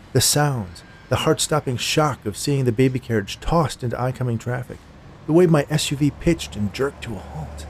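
A man narrating scripted stories as a podcast host, with a measured, dramatic delivery and deliberate pauses. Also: on the low side, a little mellow, slight background noise.

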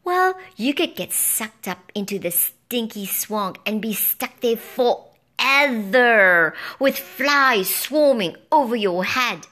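A woman's voice: fairly high pitch, lively intonation, slow pace, sharp tone, full character voice. Woman doing a chirpy teasing bird. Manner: chirpy, mocking. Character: teasing male bird guide, gloomy jokes.

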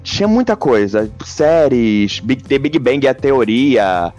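A man with a Brazilian accent telling a story in a casual chat, animated and excitable. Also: mid-range voice, slow pace, lo-fi sound, soft background music. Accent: Brazilian Portuguese.

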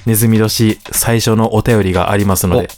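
A man's voice: lowish voice, steady tone, a little fast, darkish tone, soft background music. A man from Hokkaido co-hosting a casual podcast chat, playful and laughing often. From Hokkaido, Japan. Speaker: podcast co-host.

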